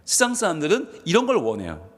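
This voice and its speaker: A man's voice: on the high side, wildly swooping pitch, fast talker, husky. A man preaching an early-morning sermon as pastor, asking his congregation questions as he goes. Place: church sanctuary. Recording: long church reverb.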